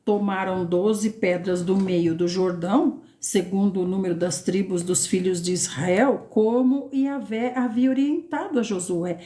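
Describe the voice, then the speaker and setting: A woman reading and teaching the Bible live, expressive and addressing listeners by name. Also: mid-range voice.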